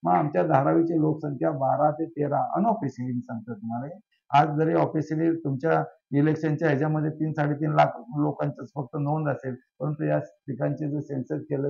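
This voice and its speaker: A man's voice: fairly high pitch, creaky, mellow. A man, a social worker, speaking in an impassioned interview, asking rhetorical questions and piling up long lists. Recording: dull lo-fi sound.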